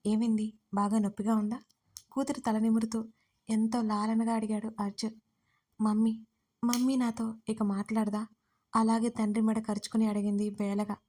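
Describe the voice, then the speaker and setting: A woman narrating a family drama audiobook as scripted storytelling, reading in a gentle, even manner. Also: mid-range voice.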